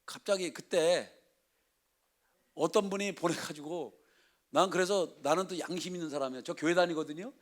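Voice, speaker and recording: Man, guest pastor, high-pitched voice, joking storytelling sermon, laughs a lot. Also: moderate pace, pauses often. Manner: chatty and humorous, laughs often, acts out prayers and declarations.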